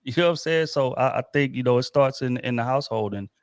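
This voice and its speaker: A man's voice: medium pitch, fast talker, dry recording. A male host of a casual chat show, talking in a laid-back, slangy way with many fillers.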